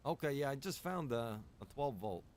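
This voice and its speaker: A man's voice: mid-range voice, lively intonation, normal speed, darkish tone. A man with a middling voice chats casually in an online survival roleplay. He is easygoing and a little hesitant, with some noise behind him. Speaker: roleplay game streamer playing a survivor. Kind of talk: improvised in-character casual chat. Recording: noisy game voice chat.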